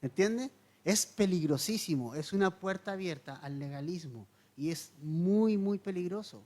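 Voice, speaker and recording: A man's voice: high-pitched, measured pace, a little mellow. Man, pastor, verse-by-verse sermon, earnest teaching tone, rhetorical questions, repeats for emphasis. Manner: asks the listener rhetorical questions and repeats key points for emphasis.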